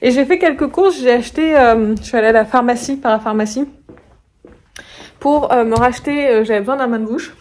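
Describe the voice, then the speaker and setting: Here the French-accented beauty vlogger talks a little fast, her voice on the high side with a darkish tone. Filming indoors at home, she keeps things casual, laughing frequently and using lots of filler words.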